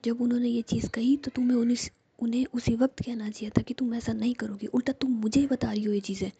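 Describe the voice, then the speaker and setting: A woman whispering the part of a hurt young woman who reproaches her partner with sharp questions. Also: on the high side, steady tone, brisk, lo-fi sound, a little hiss or hum, lightly acted. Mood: accusing.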